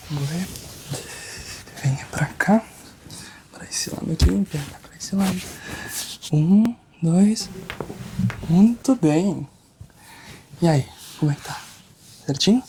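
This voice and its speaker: A Brazilian man in a soft-spoken ASMR roleplay as a chiropractor, reassuring and hushed, guiding the listener step by step and sometimes slipping into a whisper. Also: a little high. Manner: reassuring, talks the listener through each step. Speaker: ASMR creator playing a chiropractor. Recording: close binaural recording with background noise.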